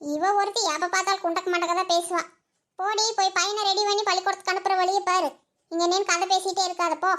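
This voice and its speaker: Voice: very high-pitched, steady tone, quick pace, pushed and bright. A voice actor playing a bossy, scolding old village mother-in-law in a cartoon. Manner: scolding, nagging. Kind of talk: cartoon voice acting.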